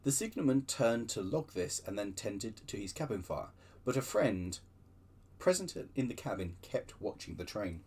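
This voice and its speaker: A man's voice: lowish voice, normal speed, breathy edge. A man hosting his own channel, reading railway book extracts aloud with chatty asides. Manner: lively storytelling with chatty digressions.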